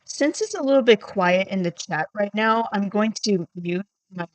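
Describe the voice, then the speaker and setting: A woman's voice: mid-range voice, animated, moderate pace, no echo. A woman livestreaming, chatting casually and thinking aloud in a rambling, self-deprecating way, her voice starting to tire. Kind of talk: casual livestream chat while coding.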